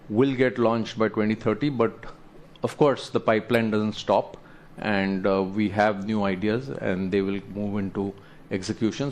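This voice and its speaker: A man presents company results to investors as an executive, explaining slides in a measured, halting way. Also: lowish voice. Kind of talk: earnings presentation to investors, talking through slides.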